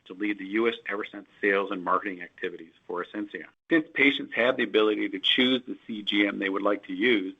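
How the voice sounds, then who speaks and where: A man, a company executive, reading prepared earnings call remarks in a steady, formal way with occasional slips, heard over dull lo-fi conference call audio. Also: lowish voice, vocal fry, breathy edge.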